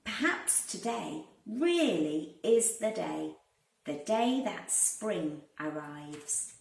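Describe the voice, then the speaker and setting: A woman voicing an eager, excitable rabbit in a children's storybook, with exclamatory, drawn-out delivery. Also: on the low side, vocal fry, heavily acted. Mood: hopeful, musing. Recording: roomy, distant microphone.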